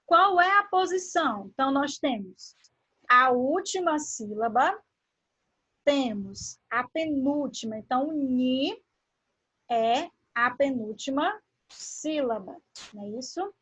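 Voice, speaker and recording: A woman teacher from Brazil, giving a grammar lesson. She draws words out slowly and asks the class questions as she explains. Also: sits high, animated, fairly bright tone. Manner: slow, drawn-out word pronunciation with questions to the class.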